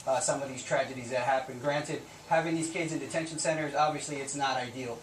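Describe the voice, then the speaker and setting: A man's voice: mid-range voice, fairly even intonation, brisk. A man speaking as a Border Patrol officer in a news interview, making his case in an earnest, insistent, plain-spoken way. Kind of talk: live news interview answers. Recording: roomy echo, distant mic, faint noise.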